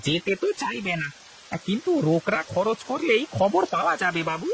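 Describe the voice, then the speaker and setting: A man voicing a sly, greedy male servant in a cartoon, wheedling with lively swings of pitch. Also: fairly quick, vocal fry, a little hiss or hum, heavily acted. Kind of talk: cartoon voice acting.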